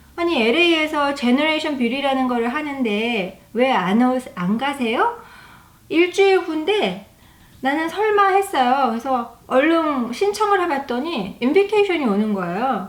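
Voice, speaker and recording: Her pitch high and swinging very widely, a woman talks at a fairly slow pace. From South Korea. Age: 40s. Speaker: beauty YouTuber. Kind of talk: casual chat. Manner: conversational, chatty.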